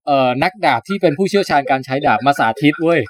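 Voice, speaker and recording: A podcast host chatting casually, animated storytelling with crude slang. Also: male voice, a little high, fast talker. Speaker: podcast host reviewing shows. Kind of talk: casual chat.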